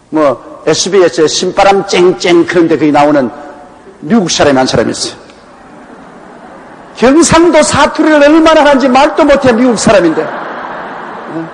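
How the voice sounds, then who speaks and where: A man's voice: on the high side, long reverb tail, rough recording. An older man from the Gyeongsang region of Korea, a pastor preaching a sermon that explains a Bible passage in a conversational, anecdotal way. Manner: animated, emphatic delivery.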